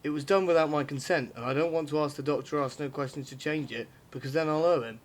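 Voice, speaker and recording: A man playing a brisk, pushy ex-cop turned vigilante in an audio drama, explaining things matter-of-factly. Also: a little high, lightly acted. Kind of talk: amateur audio drama acting.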